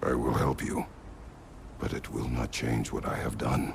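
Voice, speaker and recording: A man's put-on character voice, very deep and low, at a moderate pace with clear background noise. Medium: video game. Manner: terse, grave.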